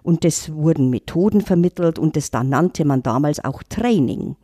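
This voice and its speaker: A woman's voice: deep voice, animated, normal speed, mellow, breathy edge, no room sound, clean studio sound. A middle-aged woman, reflectively telling her story on a podcast. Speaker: intercultural trainer, guest. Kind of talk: casual podcast talk.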